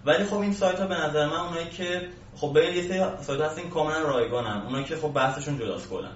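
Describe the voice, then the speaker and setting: Guy with explaining stuff casually in an interview, muffled, roomy echo. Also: on the high side. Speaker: programming instructor, interview guest. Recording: echoey distant mic, muffled, faint hiss.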